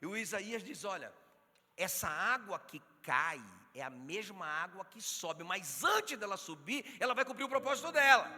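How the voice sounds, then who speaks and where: A man with a Brazilian Portuguese accent preaching a sermon as a pastor, animated, acting out quotes and calling on the congregation. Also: high voice, normal speed. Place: church hall. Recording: reverberant church hall, faint music behind.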